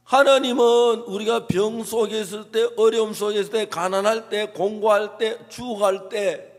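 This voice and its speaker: A man preaching a sermon, telling a story with acted quotes and swinging between hushed and emphatic delivery. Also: high-pitched, fairly even intonation, moderate pace. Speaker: pastor. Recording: long reverb of a large hall.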